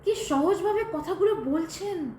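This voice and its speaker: Woman acting as dignified heroine in distress, high-pitched, emotional halting delivery, formal, audio drama, roomy sound with faint noise. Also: warm tone. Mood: bitter, accusing. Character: dignified, distressed woman refusing an unwanted suitor.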